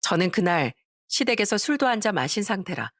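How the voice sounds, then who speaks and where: A woman's voice: mid-range voice, big pitch swings, fairly quick, a bit bright, no echo, clean studio sound. Woman narrating a frustrated first-person story.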